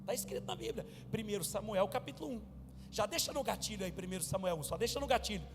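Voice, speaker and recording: A male pastor preaching an animated sermon and calling on the congregation, at times rising to a shout. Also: high voice, fast, noisy background. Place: church sanctuary. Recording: reverberant church hall with music behind. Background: music.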